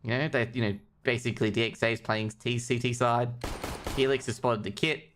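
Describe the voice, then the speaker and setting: A man's voice: medium pitch, steady tone, fairly quick. A man doing casual, jokey live commentary on an esports match and chatting informally with his viewers. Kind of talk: casual live game commentary with chat banter. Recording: clear background noise with clicks.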